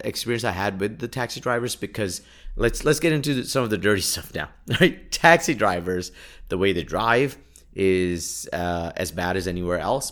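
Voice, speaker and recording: A young podcast host whose native language is Urdu tells casual travel stories, chatty and full of fillers, restarts and laughter. His pitch is fairly low and his tone fairly bright.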